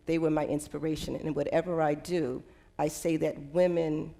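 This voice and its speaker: A middle-aged woman giving prepared personal remarks as a panelist, speaking in a measured, deliberate way. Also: deep voice, vocal fry, mellow. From United States. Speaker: panelist, center director.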